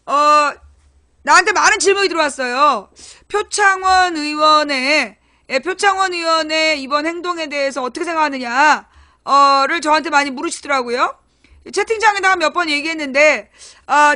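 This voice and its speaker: A woman with a very high voice talks straight to her live-stream audience, blunt and crude in her wording. Her tone is bright and forceful, and she slips into loud acted-out scenes to make a point. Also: moderate pace. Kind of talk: casual live-stream chat.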